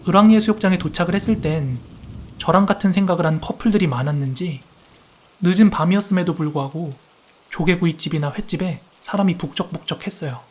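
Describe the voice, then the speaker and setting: A man narrating a first-person horror story in a soft, steady storytelling tone. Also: high-pitched, fast, slight background noise. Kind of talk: calm scripted horror narration.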